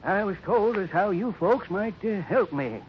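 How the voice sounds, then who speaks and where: Seeking mild old-timer: high voice, hesitant folksy delivery, vintage radio drama on a dull recording. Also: male voice, a little slow, a little hiss or hum. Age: older. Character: folksy little old man, pleasant-faced, secretly murderous. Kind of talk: 1950s radio acting.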